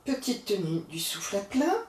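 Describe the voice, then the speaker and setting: A woman yoga teacher giving slow, calm guided cues through a breathing and posture practice. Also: mid-range voice, roomy sound, distant mic.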